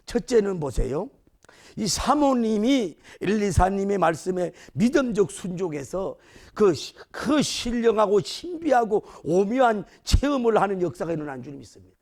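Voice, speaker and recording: A male pastor preaching a sermon, acting out scenes with sudden shouted lines. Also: sits high, sing-song, moderate pace.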